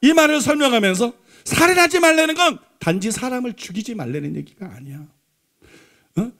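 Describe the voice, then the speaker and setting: A man with a strikingly high voice preaches from the pulpit of a church. He drives each point home by repeating it and keeps turning to the congregation with rhetorical questions. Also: animated, brisk, fairly bright tone. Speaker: pastor. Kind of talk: Sunday sermon. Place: church sanctuary.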